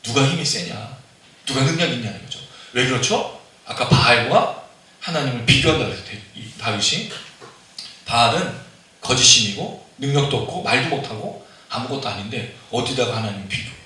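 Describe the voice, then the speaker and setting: Male pastor, sermon, animated and questioning, bright voice, very echoey hall. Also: mid-range voice, fairly quick, a little hiss or hum. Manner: conversational, asks the congregation questions, animated. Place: church sanctuary. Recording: very echoey hall, mic at a distance.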